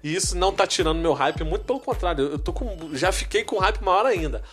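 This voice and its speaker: A man co-hosting a casual podcast, talking excitedly and stumbling over repeated words. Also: sits high, brisk, faint music behind. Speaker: podcast co-host. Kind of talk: casual nerd podcast chat.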